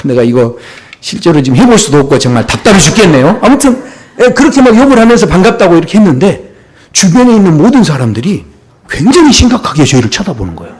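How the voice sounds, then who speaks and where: Preaching his Sunday sermon, this pastor has a slightly rough voice that sits somewhat high for a man, with a lively pitch that swings up and down. His delivery is humorous and conversational, broken often by short asides to the congregation.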